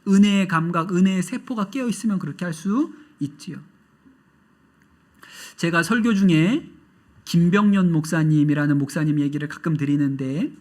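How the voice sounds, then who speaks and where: A male pastor delivers a sermon in a church, his voice sitting a little high for a man. He tells stories in a gentle, unhurried way and often slips into quoting other people. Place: church sanctuary.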